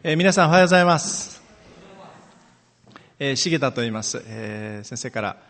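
A middle-aged man from Amami Oshima, a guest preacher telling personal stories in a chatty, animated way with many fillers, recorded in a church. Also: medium pitch, normal speed, slight background noise. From Amami Oshima, Japan. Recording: long reverb of a church hall.

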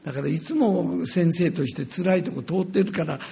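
Older male preacher, high gravelly voice, animated storytelling testimony. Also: normal speed. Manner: animated, acts out scenes with sound words.

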